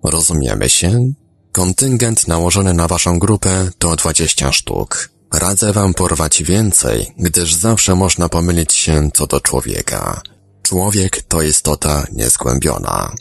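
A man reading the lines of a cold, commanding master who gives orders, lecturing in a low voice. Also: big pitch swings, a little slow, vocal fry, dry recording, exaggerated voice. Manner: authoritative, lecturing.

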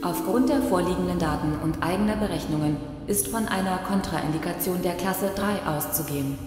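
A cavernous echo surrounds a low-toned female machine intelligence voiced by an actress, with faint music behind. She is the calm, principled archivist of a science fiction radio play and speaks in precise, analytical sentences. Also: fairly quick, natural voice. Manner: precise, analytical, formal diction. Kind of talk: science fiction audio drama acting.

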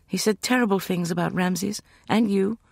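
A man voicing a shy, earnest young woman who speaks softly and hesitantly in an audiobook. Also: high voice, normal speed, vocal fry, dry recording, studio quality, pitched above the performer's own voice. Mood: polite.

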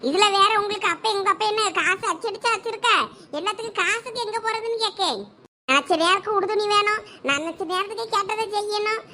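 A woman's voice: very high voice, bright, forceful tone. A woman playing a nagging village mother. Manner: scolding, rapid nagging. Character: scolding middle-aged village mother, overworked and sharp. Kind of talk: village comedy sketch.

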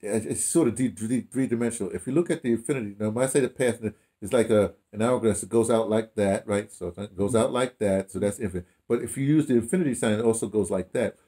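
A man's voice: on the low side, fast talker, hardly any pauses, dark tone. An American man in his sixties or older talking casually and reflectively, rambling with emphasis, false starts and repeated phrases. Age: 60s or older. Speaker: audio dramatist being interviewed. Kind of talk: casual reflective interview talk, storytelling. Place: small room at home, indoors.

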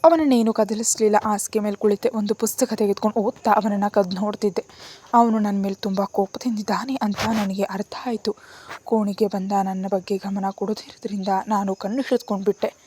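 A woman's voice: mid-range voice, fairly even intonation, fairly quick, warm tone, slight background noise. A woman narrating a first-person story in an emotive storytelling manner.

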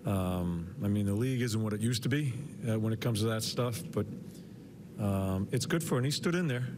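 A head coach in his sixties speaks at a postgame press conference in a fairly low voice, a little fast, stumbling and repeating words between fillers. A podium mic in an arena press room picks him up in a medium camera shot. A steady hiss runs beneath the broadcast feed.

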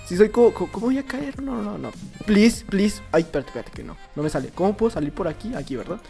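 A young man with a Mexican accent commenting on his own gameplay, excitable and prone to shouts and laughter, muttering to himself between bursts. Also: sits high, fast talker, gravelly, soft background music. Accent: Mexican Spanish. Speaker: gaming YouTuber. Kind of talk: live Minecraft gameplay commentary.

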